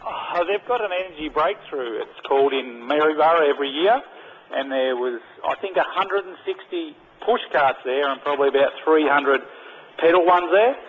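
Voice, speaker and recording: A man's voice: on the high side, expressive, normal speed, slightly rough. An Australian man chatting casually as a radio caller over a dull phone line. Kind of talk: casual chat.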